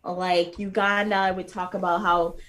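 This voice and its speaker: A woman's voice: on the low side, little pitch movement, measured pace, fairly bright tone. A woman author talking about her children's books in a casual interview, earnest and thoughtful, with frequent fillers and restarts.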